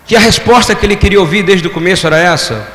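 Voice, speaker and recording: Male preacher, high voice, interactive call-and-response sermon, long hall reverb. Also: fast talker, a bit bright. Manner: interactive, has the congregation repeat phrases; rhetorical questions to the audience. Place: church hall. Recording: echoey hall with long reverb, faint room noise.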